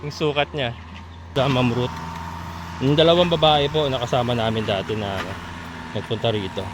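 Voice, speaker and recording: A man vlogging a casual walking tour of a land development outdoors, chatty and quick to laugh as he points things out to his viewers. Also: mid-range voice. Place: outdoors at a rural lot by a road. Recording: outdoor phone recording with loud traffic noise.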